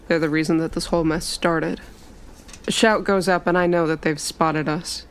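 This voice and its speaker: Low-voiced woman playing a tabletop game. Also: fairly even intonation, moderate pace, smooth. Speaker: tabletop roleplaying player. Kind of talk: narrating own character's actions in a tabletop game.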